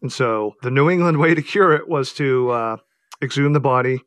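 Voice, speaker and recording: A man's voice: mid-range voice, normal speed, fairly bright tone, dry recording. A man who is an author and a guest on the show, answering thoughtfully and hesitantly, with frequent fillers. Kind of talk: interview answers.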